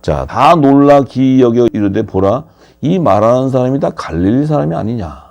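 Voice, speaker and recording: A man preaching a sermon, lively and questioning his listeners, his pitch swinging up and down. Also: normal speed, gravelly, highs cut off. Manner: animated, asks the audience questions, pitch swings widely.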